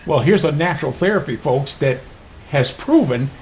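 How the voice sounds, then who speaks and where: A man's voice: on the high side, expressive, normal speed, a little mellow, slight background noise. A man hosting a faith-based TV talk show, leading the conversation with his guest. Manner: conversational, leading the discussion with questions.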